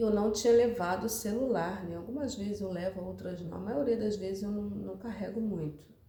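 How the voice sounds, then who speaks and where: Speech with ordinary pitch variation and hardly any pauses comes through noticeable background noise and audible room echo. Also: woman, medium pitch for a woman. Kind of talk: religious talk and testimony. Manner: slow.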